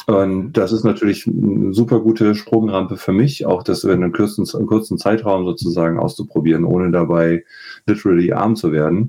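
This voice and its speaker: Fairly low in pitch, a man talks at a moderate pace with ordinary pitch variation and a dark, mellow tone. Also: very even loudness. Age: 50s. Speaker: author. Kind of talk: interview.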